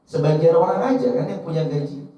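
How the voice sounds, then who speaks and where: A man preaching a Muslim sermon, speaking emphatically and pausing on key phrases. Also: fairly high pitch, expressive. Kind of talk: sermon to an audience, quoting and translating Arabic scripture. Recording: roomy echo, distant mic, slightly dull.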